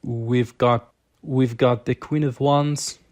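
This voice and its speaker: A man's voice: mid-range voice, steady tone, takes it slowly, darkish tone. A man hosting a tarot reading, explaining the cards to the listener in an informal, conversational way as he thinks aloud. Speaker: tarot reader, channel host.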